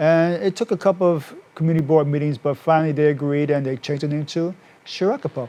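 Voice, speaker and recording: Here a man speaks with a Bronx accent at a very fast pace. His pitch is fairly high. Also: ordinary pitch variation. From New York City, the Bronx. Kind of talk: interview.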